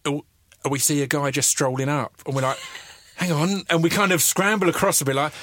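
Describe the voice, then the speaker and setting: A man's voice: fairly high pitch, fairly even intonation, a little fast, fairly bright tone, no room sound. A man hosting a casual chat, easygoing, stumbling over words and laughing along. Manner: easygoing, many restarts and stammers, laughs along.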